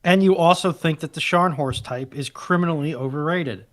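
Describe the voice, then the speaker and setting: A man's voice: fairly high pitch, moderate pace. A man co-hosting a livestream in casual banter, with a wry, teasing way of talking. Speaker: co-host on a livestream.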